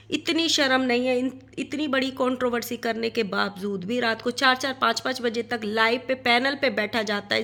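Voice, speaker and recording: Woman, middle-aged, vlog rant, indignant, rhetorical questions, bright tense tone. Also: on the high side, gravelly. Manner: indignant, rhetorical questions, repeats phrases for emphasis. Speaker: vlogger. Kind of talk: ranting vlog addressed to another creator.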